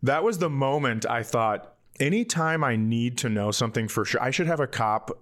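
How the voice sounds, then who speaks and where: A male comedy podcast host with an average-pitched voice. He talks casually, spinning anecdotes and slipping into crude jokes and swearing. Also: lively intonation, normal speed, a bit bright.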